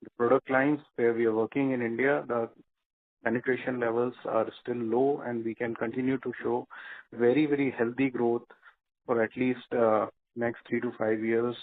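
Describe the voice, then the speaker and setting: A man's voice: medium pitch, level tone. Man on a tinny conference line. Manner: measured, many fillers and restarts. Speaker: company executive on earnings call. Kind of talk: earnings call answer. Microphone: conference call phone line. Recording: dry tinny phone line.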